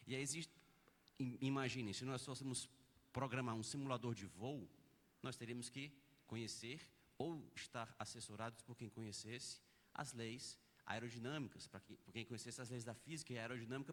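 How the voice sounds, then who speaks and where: A man's voice: medium pitch, a bit bright. Brazilian man lecturing in a reverberant hall. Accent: Brazilian Portuguese. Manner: didactic, explains step by step with examples. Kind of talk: academic conference lecture. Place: conference auditorium.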